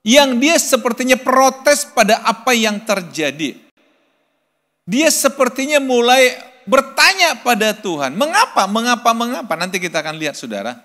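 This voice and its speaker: Animated high-voiced male preacher. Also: moderate pace. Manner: animated preaching, addresses the congregation as "saudara"; rises to loud pleading cries when reading scripture. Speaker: pastor. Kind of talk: sermon. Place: church hall. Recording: reverberant church hall.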